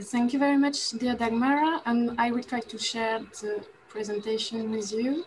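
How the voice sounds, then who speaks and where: There is light background noise behind a woman's voice. She has a fairly high pitch and fairly even intonation. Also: moderate pace. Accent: French. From France. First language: French. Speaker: law professor. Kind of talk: academic conference presentation. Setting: online webinar. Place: home room. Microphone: video call.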